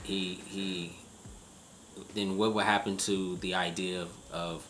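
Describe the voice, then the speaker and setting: A man's voice: sits low, flat delivery, takes it slowly, fairly bright tone, a little hiss or hum. A man with an American accent in a casual debate among friends, slangy and insistent, repeating his phrases. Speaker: reaction show host.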